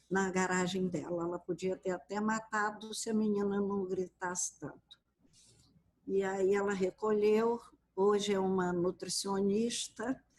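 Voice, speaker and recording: The pace is very slow. The voice is somewhat breathy. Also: woman. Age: 70s. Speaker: spiritist medium. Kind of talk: interview.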